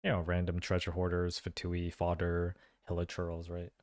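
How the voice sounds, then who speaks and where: A man's voice: deep voice, monotone, moderate pace, a little mellow. A man giving casual game reaction and analysis commentary, musing aloud with lots of questions and informal slang. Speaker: reaction video host.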